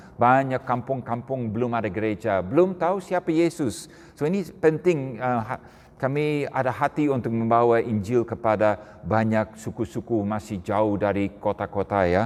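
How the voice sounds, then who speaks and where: At a moderate pace, a man talks at a medium pitch. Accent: English. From Australia and the Netherlands. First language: English (speaking Indonesian). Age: old. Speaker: missionary. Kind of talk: testimony. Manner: halting.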